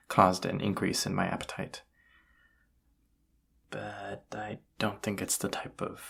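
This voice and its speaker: A man playing a tired, flustered incubus roommate in an intimate audio roleplay, speaking in a halting, awkward way with a husky, gravelly voice. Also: low voice, heavily acted. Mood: flustered, hesitant. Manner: hesitant, halting, soft-spoken, awkward. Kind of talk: roleplay audio drama, intimate one-sided dialogue.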